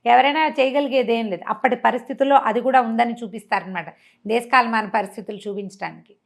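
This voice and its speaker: A woman storyteller retelling a story in a conversational, expressive way, mixing in some English words. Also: a little high, fast talker, gravelly. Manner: expressive, acts out characters' dialogue.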